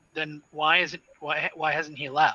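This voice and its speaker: A put-on character voice at a fairly slow pace. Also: man. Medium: actual play. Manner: hesitant, stammering.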